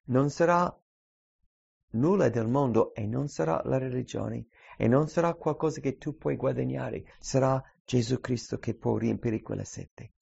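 Man, preacher, emphatic sermon, gravelly, dull lo-fi recording. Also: mid-range voice, darkish tone. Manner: emphatic, rising and falling delivery, slows on key phrases. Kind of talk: sermon with Bible reading.

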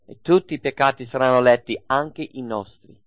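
A man's voice: mid-range voice, normal speed, dry recording. A man preaching a sermon, repeating key phrases and asking rhetorical questions.

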